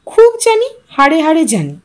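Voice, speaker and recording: Woman reading as young wife, storybook, high voice, coaxing, light teasing. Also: wildly swooping pitch, moderate pace.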